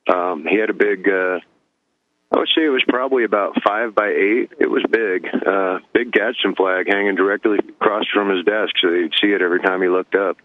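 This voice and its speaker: A man calling in to a talk show, speaking haltingly with many pauses and fillers. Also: on the low side, dry recording. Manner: halting, full of ums. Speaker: caller. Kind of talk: phone-in chat. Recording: dull dry phone line.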